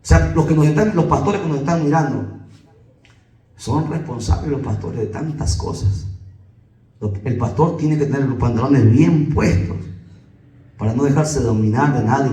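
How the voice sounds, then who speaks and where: A pastor with a Peruvian Spanish accent, preaching emphatically to a congregation and firing off rhetorical questions. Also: male voice, medium pitch, warm tone, echoey room, recorded from a distance, low-quality recording.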